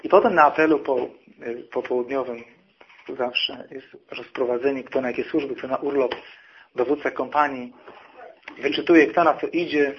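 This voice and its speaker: A preacher giving a sermon, telling personal stories and acting out the people in them. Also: male voice, mid-range voice, steady tone, normal speed, muffled recording, slight background noise. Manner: storytelling, acting out quoted people.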